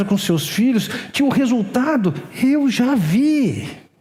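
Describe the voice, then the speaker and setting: Audible room echo surrounds this man's speech, which rises and falls in a lively way. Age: 60s. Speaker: pastor. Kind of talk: sermon.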